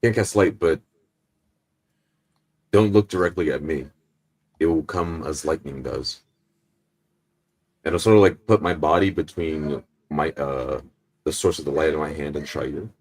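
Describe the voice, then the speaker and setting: A man's voice: a bass voice, measured pace, pauses often, a little mellow. A man speaking as a player in a tabletop roleplay game, in character and describing actions.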